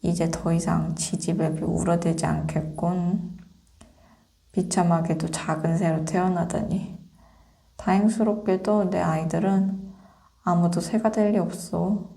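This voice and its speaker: A woman voicing a callous, self-satisfied male mole in a softly read ASMR fairy tale, measured and disdainful. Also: lowish voice, flat delivery, creaky. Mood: scornful, smug. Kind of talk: soft ASMR storybook reading.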